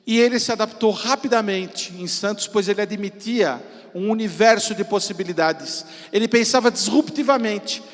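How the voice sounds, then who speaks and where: A Brazilian man in his fifties with a São Paulo accent, giving an informal, theatrical motivational talk about his own story from a stage. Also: high-pitched. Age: 50s. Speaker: entrepreneur speaking at a festival. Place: stage of a large event hall. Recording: reverberant hall with long echo.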